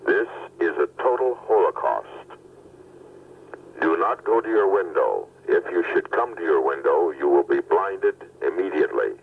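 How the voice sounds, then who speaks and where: A man playing a solemn harbor patrol captain making a slow, formal announcement, heard on an old worn answering-machine tape. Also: low voice, expressive, vocal fry, narrow, tinny audio, a little hiss or hum. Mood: grave.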